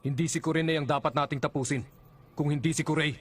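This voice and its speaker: A man's voice: fairly high pitch, steady tone, fast, slightly rough. A man voicing a serious, level-headed young fighter in an anime dub. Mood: resolute. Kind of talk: Tagalog anime dub acting.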